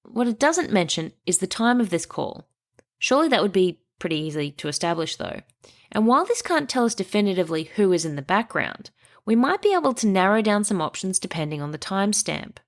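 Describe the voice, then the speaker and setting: A woman hosting a true crime podcast, reading a measured scripted narration with a stuffy nose. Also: mid-range voice, sing-song. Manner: measured, reasoning aloud through evidence.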